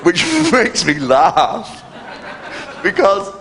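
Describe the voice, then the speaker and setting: Older comedian, lively cheeky delivery. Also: male voice, drawn-out words, slight background noise. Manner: brash, cheeky punchline delivery with sudden pitch jumps. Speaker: stand-up comedian. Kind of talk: live stand-up routine. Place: live venue with audience laughter.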